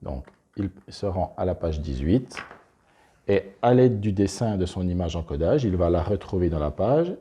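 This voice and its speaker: A man demonstrating classroom reading materials, explaining step by step in a relaxed, unscripted way with small restarts. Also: low voice, normal speed, husky, lo-fi sound. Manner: unscripted, restarts, talks while handling materials. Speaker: presenter demonstrating a teaching method.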